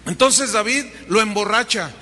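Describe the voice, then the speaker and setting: A man's voice: sits high, moderate pace, sharp tone. A man with a Mexican Spanish accent preaching a sermon as pastor, telling the story vividly and acting out the dialogue. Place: church hall. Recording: long reverb of a large hall.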